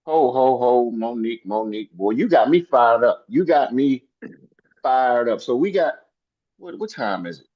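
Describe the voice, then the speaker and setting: A man hosting a sales coaching video call, energetic and hyping people up with repeated phrases. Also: mid-range voice, normal speed, muffled recording. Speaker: sales coach and meeting host.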